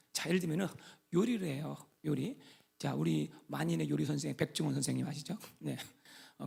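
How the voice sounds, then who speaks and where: High gravelly Korean pastor preaching. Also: male voice. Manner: swings from hushed asides to loud emphatic repetition; mixes English words into his preaching. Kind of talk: sermon. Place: church sanctuary.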